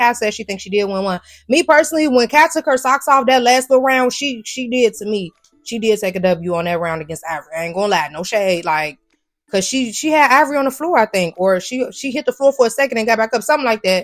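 Very fast-paced woman in a dry sound with no echo, faint music in the background. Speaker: reality show commentator. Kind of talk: casual vlog chat. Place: home room. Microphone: lapel.

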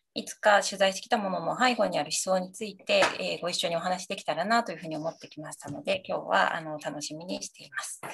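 A woman at a very fast pace, with big swings in loudness, ordinary pitch variation and light background noise. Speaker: newspaper reporter, event host. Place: home room. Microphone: video call.

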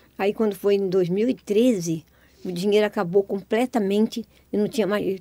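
This woman's voice is heard here. Her tone is dark and mellow. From Alagoas and Rio area, Brazil. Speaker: pediatric cardiologist; guest. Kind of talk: talk show interview; interview answer. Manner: halting. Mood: personal storytelling, reflective. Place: studio. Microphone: studio mic.

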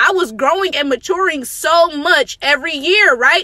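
An animated woman's raised, projected voice at a high pitch with very wide pitch swings, dry with no echo, against a quiet background. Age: 20s. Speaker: commentary vlogger. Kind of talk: casual monologue to camera. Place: car. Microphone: phone near.

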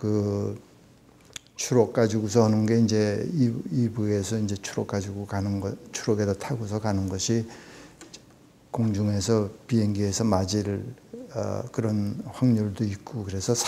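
A man's fairly low voice, monotone and flat, at a fairly slow pace over light background noise. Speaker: witness. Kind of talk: interview answer. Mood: earnest, recounting past trauma. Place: office.

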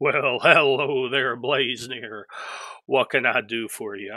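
A man talks in a put-on character voice at a medium pitch. His pace is fairly slow. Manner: friendly, welcoming.

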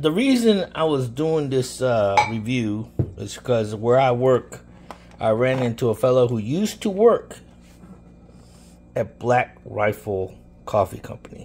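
Lively intonation from a man, long and frequent pauses, light background noise. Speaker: home product reviewer. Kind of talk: casual review talk. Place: kitchen.

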